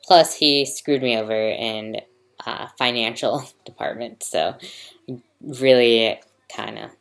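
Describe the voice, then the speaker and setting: Slow, hesitant young trans man. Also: medium pitch, fairly even intonation, creaky, fairly bright tone. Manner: hesitant, many ums and pauses. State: sick and yawning. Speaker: vlogger. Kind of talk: casual video diary. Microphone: computer mic.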